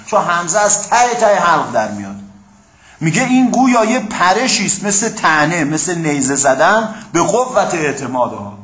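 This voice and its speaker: A man's voice: on the high side, fairly bright tone, echoey room. A man teaching a class on Quran commentary, reading Arabic passages aloud and explaining them, often checking that his listeners follow and prompting them to answer. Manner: reads Arabic passages, then explains them in plain speech. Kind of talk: classroom lecture.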